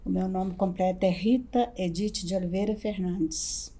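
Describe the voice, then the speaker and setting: A woman in her seventies giving a soft-spoken introduction as a former councilwoman. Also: mid-range voice, normal speed. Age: 70s.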